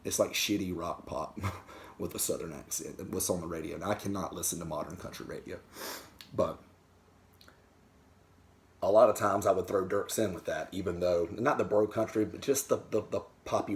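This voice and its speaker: A man's voice: low voice, moderate pace, vocal fry, long pauses. A man talking to camera about his records in a candid, rambling way, swearing freely. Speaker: vinyl record vlogger. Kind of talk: casual talk to camera. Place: home den.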